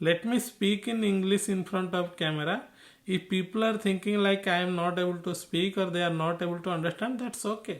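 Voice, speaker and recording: Speaking at a fairly quick clip, a man with a high pitch keeps his intonation fairly even. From India, Odisha. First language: Odia. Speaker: YouTube vlogger. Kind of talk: casual vlog monologue. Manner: halting, many fillers.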